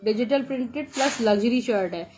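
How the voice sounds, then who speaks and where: A woman with a Pakistani accent giving a live sales pitch for clothes in chatty teleshopping patter, repeating her praise and prices. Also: a little fast, noisy background. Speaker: live online clothing seller.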